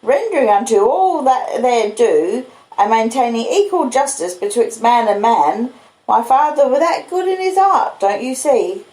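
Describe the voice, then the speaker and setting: A woman's voice: a little high, lively intonation, unhurried, a little mellow, pitched above the performer's own voice. Lady doing a kindly simple country blacksmith guy, rambly and sincere, voice goes up and down a lot, echoey room. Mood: earnest, explaining. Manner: rustic dialect, earnest, meandering storytelling. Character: simple, kindly uneducated adult male blacksmith, earnest and rambling.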